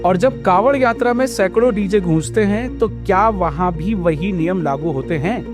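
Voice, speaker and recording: A man's voice: high-pitched, normal speed. A man narrating a scripted news report as a reporter, explaining and posing pointed questions. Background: background music.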